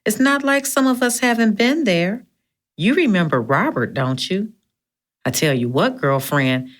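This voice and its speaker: A woman playing a brassy, foul-mouthed gal pal. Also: mid-range voice. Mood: comforting, sassy. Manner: bawdy, swearing, sassy storyteller. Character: sassy, brash woman friend, bandmate. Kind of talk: audiobook character reading.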